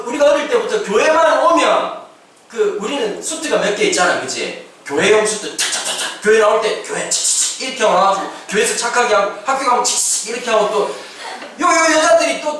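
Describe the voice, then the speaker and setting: Pastor, male, very high lively voice, joking slangy delivery, booming church hall, mic at a distance. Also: a little fast, slight background noise. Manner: playful, slangy, acts out voices and laughs often. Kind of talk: lively youth sermon. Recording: echoey church hall from far off.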